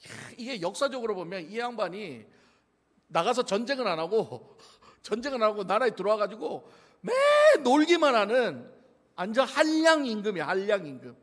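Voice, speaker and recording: A man's voice: high-pitched, sing-song, moderate pace. A man with a Gyeongsang Korean accent preaching a sermon, joking and telling the story with laughs, heard with long church reverb. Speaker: pastor. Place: church sanctuary.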